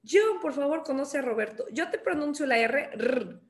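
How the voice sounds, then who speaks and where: A woman with a Mexican accent teaching beginner English, explaining in Spanish and slowly modeling English phrases with translations. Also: high voice, lively intonation.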